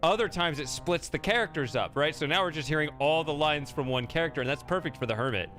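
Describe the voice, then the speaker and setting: A man's voice: on the high side, fast talker, pushed and bright, faint music behind. A man giving casual, amused commentary as host of a gameplay video. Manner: amused, giggly.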